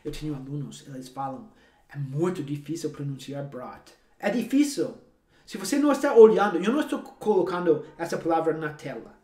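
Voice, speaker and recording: A man's voice: on the high side, lively intonation, brisk, warm tone. A man whose first language is English, teaching a language lesson straight to the viewer in an emphatic, repetitive, coaxing way. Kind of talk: direct-to-camera language lesson. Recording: roomy echo.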